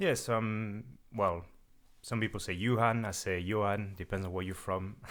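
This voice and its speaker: Audible room echo surrounds a man whose fairly low voice carries fairly even intonation. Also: moderate pace. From France. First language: French. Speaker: massage therapist. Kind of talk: casual podcast interview.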